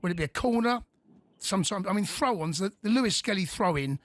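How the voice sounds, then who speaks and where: A man's voice: high voice, lively intonation, fast, no echo. A man co-hosting a sports radio phone-in, talking in rambling restarts. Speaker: radio show co-host.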